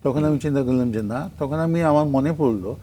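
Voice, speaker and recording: A mellow, dark-toned older man speaks as a studio guest, rambling between thoughts and filling gaps with hesitations. He breaks into recitations of short poems, and a faint hiss sits under his voice. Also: mid-range voice, brisk. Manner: rambling, many fillers, reads his short poems aloud. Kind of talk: relaxed interview talk with poetry recitation.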